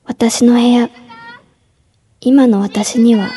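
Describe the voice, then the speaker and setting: An actress voicing a timid junior-high schoolgirl, narrating her thoughts softly in a radio drama. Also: steady tone, extremely slow, background noise. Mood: withdrawn. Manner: soft inner-monologue narration, hushed at times.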